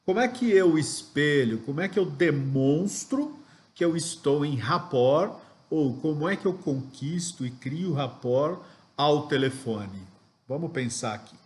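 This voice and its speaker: Slow, didactic trainer man. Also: on the high side, lively intonation, a little mellow. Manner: didactic, asks rhetorical questions, frequent "ok?" and "né?". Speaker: sales trainer. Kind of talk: recorded training lesson.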